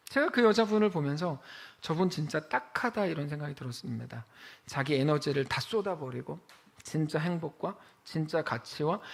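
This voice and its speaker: A man preaching in church, his voice sitting a little high for a man and swinging widely in pitch as he tells the story. He acts out the quoted lines and exclaims in disbelief. It is a pastor's sermon delivered with lively storytelling.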